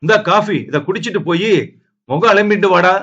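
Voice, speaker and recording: Man putting on a bossy old mother, hurried, scolding, raised pitch, dull audio. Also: fairly bright tone. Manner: scolding, hurried wake-up call. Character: elderly Tamil mother, brisk and bossy.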